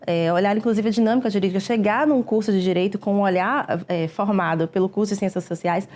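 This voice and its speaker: Measured woman, mellow. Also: medium pitch. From Brazil. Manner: measured, explanatory, many hesitations. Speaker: guest, public defender. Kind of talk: interview answers.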